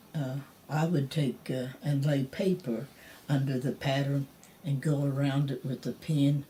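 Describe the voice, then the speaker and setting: Somewhat breathy and very deep in pitch, a woman's voice carries a dark, mellow tone. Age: 80s+. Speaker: quilter. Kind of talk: interview answer. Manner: casual, reminiscing.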